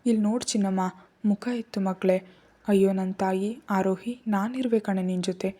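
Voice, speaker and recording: A woman's voice: medium pitch, steady tone, normal speed, warm tone, natural voice. A woman reading the part of an older woman who soothes and coaxes a weeping girl, full of endearments. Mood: soothing. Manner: soothing, coaxing, repeats endearments. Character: tender older motherly woman, comforting.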